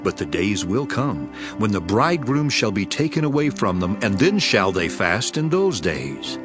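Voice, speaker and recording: Male actor as calm authoritative teacher, solemn scripture drama, lowish voice, music underneath. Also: moderate pace. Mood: teaching, solemn. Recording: music behind the voice.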